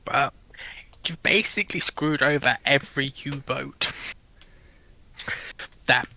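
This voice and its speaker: A man's voice: medium pitch, slow, gravelly, bright, forceful tone. A man taking part in a casual technical discussion, offering commentary in a conversational way. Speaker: discussion participant.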